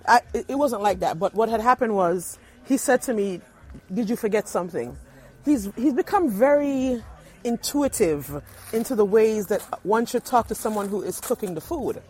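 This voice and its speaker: A woman's voice: mid-range voice, moderate pace, breathy edge. Chatty woman on a radio phone-in. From Brooklyn, New York. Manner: animated, chatty storyteller with playful asides and laughs. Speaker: radio show host. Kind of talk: casual chat while shopping. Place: indoors in a small Caribbean grocery store. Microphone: phone call into a radio show.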